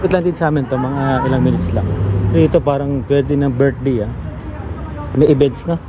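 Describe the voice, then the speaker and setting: A vlogger from the Philippines chatting casually on camera, lively and talkative, who calls out loudly to the family dogs. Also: mid-range voice, normal speed, heavy background noise. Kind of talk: casual vlog narration.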